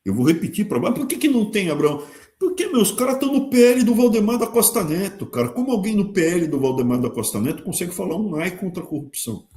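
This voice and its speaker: Brazilian guy ranting politics, mellow voice, pitch jumping all over, echoey room. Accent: Brazilian Portuguese. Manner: sarcastic, lively, talks with colloquial asides. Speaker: channel host. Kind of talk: political commentary monologue.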